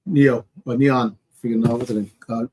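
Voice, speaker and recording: A man co-hosting a casual sports discussion, speaking haltingly as he gropes for words. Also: medium pitch, steady tone, mellow, breathy edge, rough recording. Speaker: wrestling podcast co-host.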